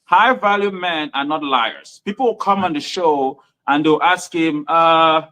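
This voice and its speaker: A man's voice: on the high side, measured pace, sharp tone. A man from Cameroon with a Cameroonian accent, a guest in a casual chat who explains himself earnestly, point by point. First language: a language of Cameroon.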